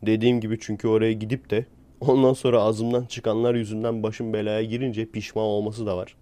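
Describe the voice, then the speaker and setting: A man's voice: lowish voice, little pitch movement, brisk, dark tone. A young man ranting in a casual, sarcastic and mocking way, using slang. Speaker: YouTuber.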